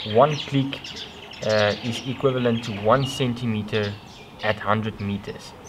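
A man's very slow delivery with fairly even intonation over noticeable background noise. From South Africa. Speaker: airgun YouTuber. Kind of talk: tutorial. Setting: outdoors. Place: garden.

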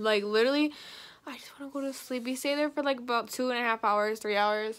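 High pitch and fairly even intonation from a woman. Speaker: young parent vlogger. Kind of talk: casual vlog chat. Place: home room. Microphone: phone near.

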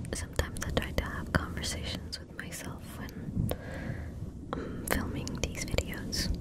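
Under loud background noise, a soft-spoken woman is whispering. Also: fairly slow pace, dry sound with no echo. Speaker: ASMR creator. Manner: soft close-mic whisper. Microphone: studio mic.

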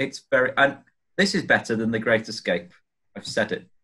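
Against a quiet background, a man with a British accent speaks in a bright, sharp tone. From England. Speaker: film podcast co-host. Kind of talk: casual chat. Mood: jokey, laughing. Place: home room. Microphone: video call.

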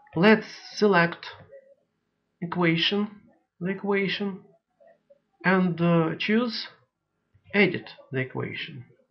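The speaker, with a non-native accent, talks at a very slow pace with long, frequent pauses. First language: not English. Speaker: software demonstrator. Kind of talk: tutorial. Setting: screen recording. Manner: halting, with hesitations and fillers.

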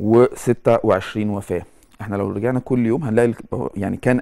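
A man's dark, mellow voice over a quiet background. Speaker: TV show host. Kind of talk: televised monologue to viewers. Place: studio.

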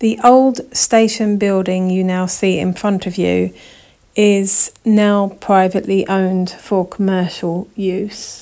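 Against a quiet background, a woman talks at a very slow pace in monotone, flat intonation. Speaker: urban explorer narrator. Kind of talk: casual vlog commentary. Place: open country. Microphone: phone near.

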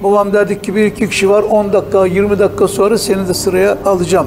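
Music plays in the background. A man speaks at a fairly quick pace and a high pitch. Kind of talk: interview answer. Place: cafe.

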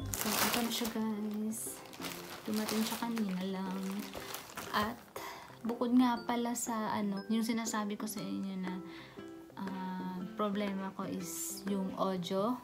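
A woman talking at a very slow pace, with clear music behind her. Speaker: vlogger. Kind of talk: casual vlog chat. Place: home room. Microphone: phone near.

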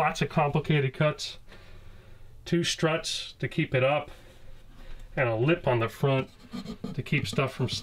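This man's voice carries a somewhat breathy quality. He keeps to a moderate tempo. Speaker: van tour host. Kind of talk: tour commentary. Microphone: phone near.

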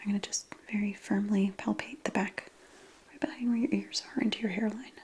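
A soft-spoken woman talks, her pitch varying in an ordinary way. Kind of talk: soft-spoken role-play exam. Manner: soft, hushed ASMR speaking voice. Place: home room.

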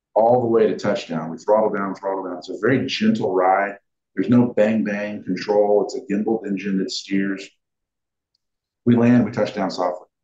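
A man with a dark, mellow tone and fairly low pitch talks at a moderate pace with fairly even intonation. The background is quiet, but there is audible room echo. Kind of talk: interview answer. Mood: calm, explanatory. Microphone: video call.

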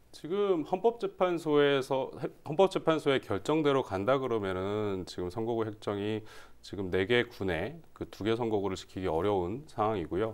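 The voice moves at a moderate pace with hardly any pauses. Its pitch swings very widely. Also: man. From South Korea, Gyeongnam region. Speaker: provincial council member. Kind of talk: political talk show discussion. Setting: studio. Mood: earnest, measured. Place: studio. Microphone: lapel.

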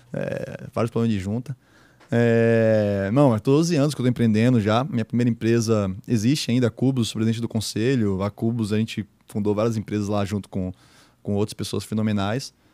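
A man speaks at a moderate pace in a dark, mellow tone with fairly even intonation. The background is quiet and the sound is dry with no echo. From Brazil, Salvador (Bahia). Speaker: tech startup founder; podcast guest. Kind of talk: casual interview chat. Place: studio. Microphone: studio mic.

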